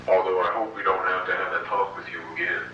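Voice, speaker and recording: A man's voice: deep voice, expressive, fast, dull audio. An actor playing a polite, unsettling man questioning someone formally in a horror short, in an echoey, distant, noisy recording. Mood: calm, ominous. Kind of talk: slow scripted horror short dialogue.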